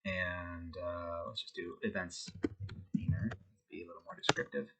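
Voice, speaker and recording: A man with a congested voice from a head cold, talking through a web coding tutorial in a relaxed way with many fillers. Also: low voice, moderate pace, noisy background. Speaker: web design instructor. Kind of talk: screen-recorded coding tutorial.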